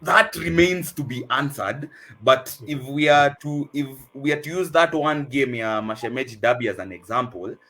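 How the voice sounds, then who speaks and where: A man's voice: mid-range voice, normal speed, pushed and bright. A man with a Kenyan accent giving casual football analysis, hesitant and repeating words as he switches between two languages. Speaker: football pundit. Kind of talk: casual unscripted analysis, mixing English and Swahili.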